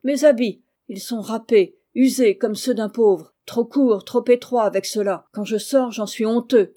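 A woman's voice: fairly high pitch, unhurried, mellow. A woman reading aloud voices a hot-tempered young orphan boy who speaks up boldly and defiantly. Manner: bold, raised voice, defiant.

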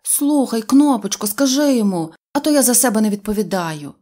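A woman's voice: fairly high pitch, animated, dark tone. A woman voicing a hot-headed little boy who loses his temper easily, in a storybook reading. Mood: indignant. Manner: quick-tempered, blustering.

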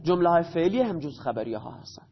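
Guy teaching grammar, pretty high voice, quizzes himself as he goes, muffled lo-fi audio. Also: very animated, slight background noise. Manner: poses questions and answers them himself; repeats key terms slowly. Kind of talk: explanatory grammar lesson. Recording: dull lo-fi recording.

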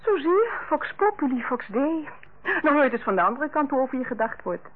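A cheerful, soothing lady of the house in a vintage radio drama. Her voice is somewhat high and she reasons things through. The recording is tinny and narrow, with noise behind it. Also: big pitch swings, a little fast. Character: conciliatory, cheerful female hostess of the household. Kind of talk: old radio play acting.

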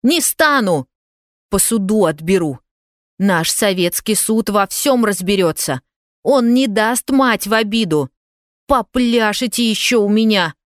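A woman voicing an estranged mother who flares up and shouts defiant threats. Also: mid-range voice, lively intonation, measured pace, no room sound, clean studio sound, voice pushed up, lightly acted. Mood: furious. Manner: flaring, raised threats.

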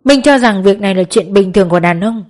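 A woman's voice: medium pitch, fast talker. Woman narrating an audiobook steadily. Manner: steady storytelling.

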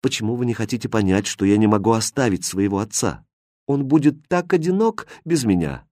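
A man's voice: on the low side, expressive, a little fast, dark tone, no echo, close to an everyday voice. Brief: male reader doing a proud young princess, swoops up and down, dry close sound. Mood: quiet. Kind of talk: audiobook character voicing.

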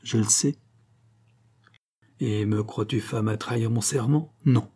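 A man's voice: lowish voice, steady tone, takes it slowly, dark tone. A man voicing a fierce, jealous young Gypsy woman who threatens her lover with vehemence. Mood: intense.

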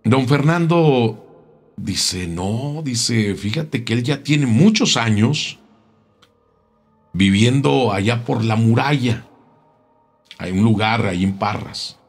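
A man telling a local tale in a casual, unhurried way, often repeating words as he goes. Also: medium pitch, expressive, slightly rough, faint music behind. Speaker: storyteller.

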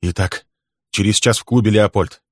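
A man's voice: fairly low pitch, steady tone, normal speed, no room sound, clean studio sound, close to an everyday voice. A man reading an audiobook, voicing a nervous, scheming swindler who speaks tensely and evasively.

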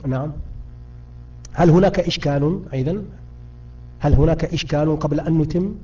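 A high-pitched man leads a grammar lesson, patiently quizzing his class and often stumbling over and repeating his words. His tone is mellow and dark. The audio is dull and lo-fi, as if he sits away from the microphone. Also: fairly quick. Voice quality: frequent self-restarts and repeated words. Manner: patient, keeps quizzing students. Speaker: Arabic grammar teacher. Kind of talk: live online grammar lesson. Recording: muffled distant voice, lo-fi.

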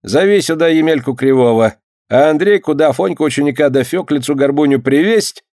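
A man's voice: a little high, expressive, fairly quick, darkish tone, dry recording, studio quality, pitched above the performer's own voice. A man voicing a stern, commanding old-time Russian clerk who barks his questions in an audiobook. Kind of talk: audiobook character voice.

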